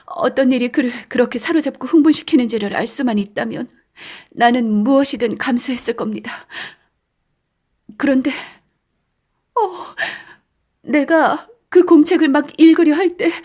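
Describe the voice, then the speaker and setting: A woman's voice: sits high, darkish tone. A woman playing a frightened, distraught wife in a dramatized audiobook, speaking in an anguished, hesitant, pleading way. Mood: troubled, brooding, then terrified. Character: frightened, distraught wife confiding her dread.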